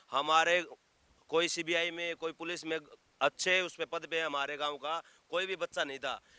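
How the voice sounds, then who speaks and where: A man's fairly high, bright, sharp voice with fairly even intonation, in a dry, close sound with no echo. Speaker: villager interviewed by reporter. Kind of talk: vox pop street interview.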